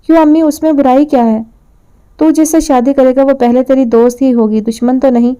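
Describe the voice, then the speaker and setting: A woman's voice: sits high, fairly even intonation, dark tone, clear, resonant tone, close to an everyday voice. A woman reading an audio novel, voicing a sly young man who coaxes and teases. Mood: pleading.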